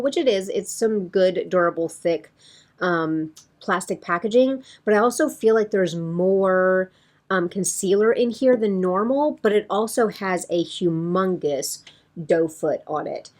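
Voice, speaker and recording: A woman's voice: fairly low pitch, measured pace, a little mellow. A woman talking casually to her viewers as a beauty vlogger, in a chatty, rambling way that addresses them directly. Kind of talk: casual chatty vlog to camera.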